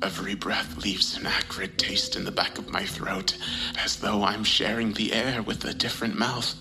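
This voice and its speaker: A man's voice: on the low side, fairly even intonation, moderate pace, creaky, bright, forceful tone, heavily acted. An actor playing a terrified, isolated man who is coming apart, whispering and stammering into an audio log. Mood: shaken.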